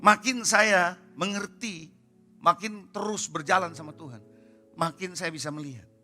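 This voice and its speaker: High, bright-voiced man preaching. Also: normal speed, faint music behind. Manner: emphatic, keeps asking the congregation rhetorical questions. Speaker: pastor. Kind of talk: sermon. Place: church service.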